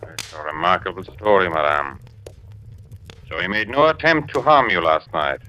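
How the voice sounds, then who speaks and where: An actor playing a suspicious colonel of an occupying army, clipped and authoritative, in 1940s radio drama style. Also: male voice, sits low, expressive, moderate pace, bright, forceful tone. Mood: questioning.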